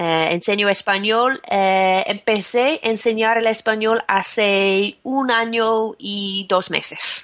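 Speaking very slowly with hardly any pauses, a woman with an English accent uses a fairly high pitch and ordinary pitch variation. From Ireland, Dublin suburbs. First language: English (speaking Spanish). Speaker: Spanish teacher. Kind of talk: interview. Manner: halting.

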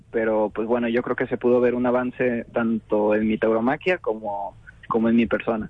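With a Mexican accent, a man speaks at a moderate pace and medium pitch, his intonation fairly even and his loudness very even. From Mexico, Guadalajara, Jalisco. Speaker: novice bullfighter. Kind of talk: interview. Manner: halting.

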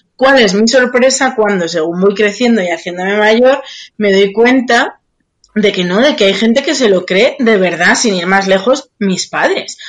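A plain, everyday voice from a woman, fairly high in pitch with ordinary variation, at a fairly slow pace. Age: 30s. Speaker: podcast co-host. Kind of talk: casual chat.

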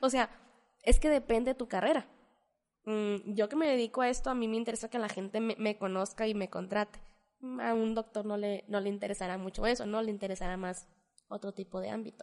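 A woman speaks at a fairly quick pace in a normal speaking voice. Her pitch is fairly high. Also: fairly even intonation. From northern Mexico, Ciudad Juárez. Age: 20s. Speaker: actress and theatre teacher. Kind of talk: casual interview.

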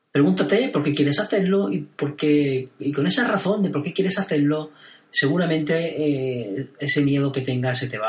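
Noticeable background noise sits behind a man with a fairly high pitch. He speaks at a moderate pace with very wide pitch swings. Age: 40s. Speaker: podcast host and online business coach. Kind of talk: motivational podcast monologue. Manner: hesitant with fillers.

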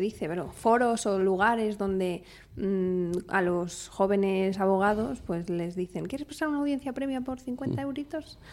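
A woman with a Madrid accent speaks fairly slowly with lively intonation. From Madrid, Spain. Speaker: lawyer. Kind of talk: casual chat.

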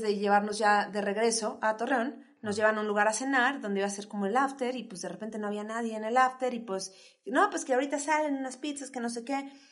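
A woman's plain, everyday voice, fairly high in pitch with ordinary pitch variation, big swings in loudness and a fairly quick pace. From Mexico City, south (Tlalpan). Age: 40s. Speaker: rapper. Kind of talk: casual interview chat.

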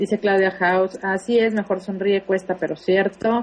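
A woman's unremarkable speaking voice, medium in pitch, at a moderate pace. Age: 30s. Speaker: radio show co-host. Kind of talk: casual chat.

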